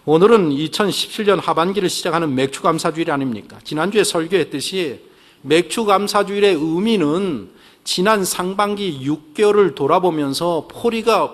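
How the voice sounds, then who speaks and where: A man preaching a sermon as pastor, asking rhetorical questions and leading the congregation to repeat prayers, shifting between soft and emphatic delivery. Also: high-pitched. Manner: preaching with call-and-response prompts to the congregation.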